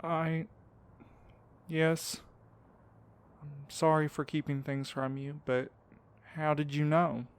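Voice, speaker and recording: A man's voice: fairly high pitch, little pitch movement, slow, long pauses, clear, resonant tone. A man acting in an audio drama as an anxious, devoted partner, earnest, caring and a little hesitant. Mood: earnest, guilty. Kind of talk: fiction podcast acting.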